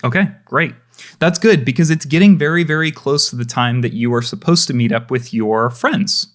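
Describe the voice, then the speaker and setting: A man's voice: medium pitch, normal speed. A young man narrating as game master, casual, with restarts and lots of questions to the players. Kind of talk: narrating a tabletop role-play game.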